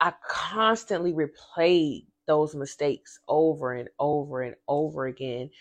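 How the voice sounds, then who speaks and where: Using an animated tone, a woman with very deep, low pitch talks at a fairly slow pace with hardly any pauses. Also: ordinary pitch variation. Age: 20s. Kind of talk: solo testimony podcast.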